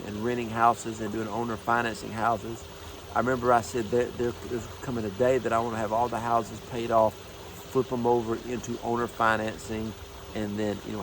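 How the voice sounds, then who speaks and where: An energetic man in his forties, a minister talking casually to the camera, emphatic, telling folksy stories. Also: mid-range voice, slight background noise. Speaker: minister and motivational speaker. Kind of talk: casual motivational talk to camera.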